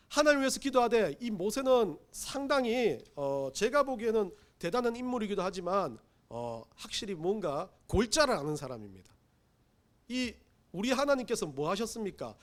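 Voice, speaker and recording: A man's voice: extremely high pitch, fairly bright tone. A man preaching a sermon as pastor, emphatic, acting out pleading quotes, with self-deprecating asides. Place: church sanctuary.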